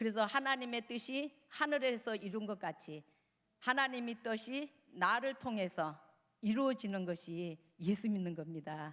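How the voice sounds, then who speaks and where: A normal speaking voice, fairly slow in pace, with lively intonation. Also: woman, fairly high pitch for a woman. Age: 60s. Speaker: guest preacher. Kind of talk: sermon. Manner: call-and-response questions.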